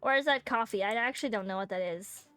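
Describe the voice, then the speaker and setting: A woman's voice: mid-range voice, quick pace, fairly bright tone, smooth, faint music behind. A woman streaming a game in casual chat, joking and rambling with many fillers, close to a desk microphone. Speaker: VTuber streamer.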